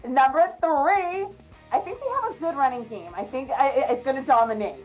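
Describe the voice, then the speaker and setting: A woman with a high voice answers casually, ticking off points one by one. The sound is a bit dull, with music behind. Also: expressive, normal speed. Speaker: interviewee giving a prediction.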